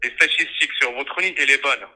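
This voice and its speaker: Sharp, fast-talking man on a phone line. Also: mid-range voice, slight background noise. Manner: insistent, formal, defensive. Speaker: second-level telecom support technician. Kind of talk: customer service phone call. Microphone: telephone. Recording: tinny telephone line.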